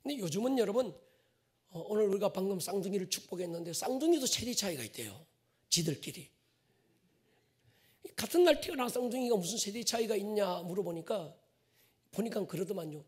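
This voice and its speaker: A male pastor preaching a sermon to his congregation, swinging from loud stressed phrases to whispered endings and drawing out key words. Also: high voice, expressive, husky. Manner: addresses the congregation directly, drawn-out stressed words.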